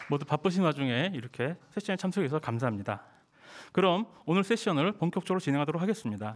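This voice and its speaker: With vocal fry and very wide pitch swings, a man speaks at a very fast pace. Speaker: panel moderator. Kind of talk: panel moderation. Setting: panel discussion, in-person venue with livestream. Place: hall. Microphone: podium.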